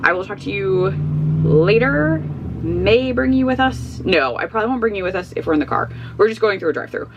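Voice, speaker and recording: A woman's voice: medium pitch, animated, a little fast, highs cut off, background noise. A woman vlogging at home, chatting casually and rambling through frank book opinions, sniffly and losing her voice. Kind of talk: casual book review chat.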